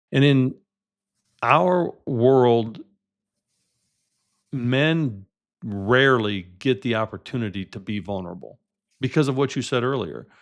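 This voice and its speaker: Speaking with an American accent, a man of medium pitch keeps a fairly slow pace with long, frequent pauses. His pitch variation is ordinary, and the background is quiet. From US Midwest, Minneapolis, Minnesota. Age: 60s. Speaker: interviewee sharing life story. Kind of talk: podcast interview, personal testimony.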